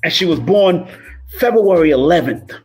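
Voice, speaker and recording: A man's voice: on the high side, lively intonation, moderate pace, darkish tone, soft background music, low-quality recording. A man talking casually and motivationally as a numerologist livestreaming, emphatic and repetitive, rolling his R's. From Cuban and Jamaican heritage. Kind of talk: casual motivational monologue to live viewers.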